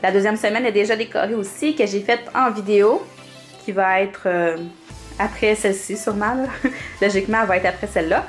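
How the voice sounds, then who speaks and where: A woman's voice: mid-range voice, fairly quick, soft background music. A young woman with a Québécois French accent, chatting casually as she shows off her planner, with lots of fillers and little laughs. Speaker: planner vlogger. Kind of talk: casual show-and-tell.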